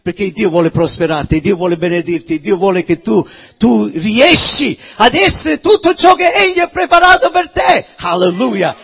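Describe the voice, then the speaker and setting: Fervent high-voiced husky preacher man. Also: lively intonation, moderate pace, in a large hall. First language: not Italian. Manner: fervent preaching, often shouting, with sudden drops to a hush. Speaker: pastor. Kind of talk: sermon.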